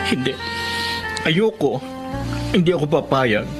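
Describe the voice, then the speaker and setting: A man's voice: fairly high pitch, sing-song, slow, over music. A man playing a needy, theatrical gay lover with a Filipino accent, whiny and pleading in a melodrama. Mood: desperate, pleading.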